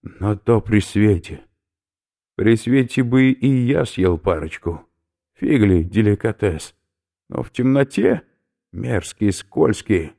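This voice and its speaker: A man voicing a brash, rough young male skinhead who talks loudly and bluntly in slang. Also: on the low side, lively intonation, slow, voice pushed up, heavily acted. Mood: grumbling. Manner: loud, blunt, slangy, impatient.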